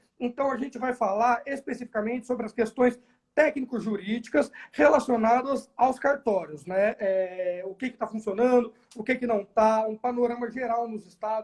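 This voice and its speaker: A man speaks at a moderate pace in an extremely high pitch, with ordinary pitch variation. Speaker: law professor. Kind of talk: live stream discussion. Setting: Instagram live video.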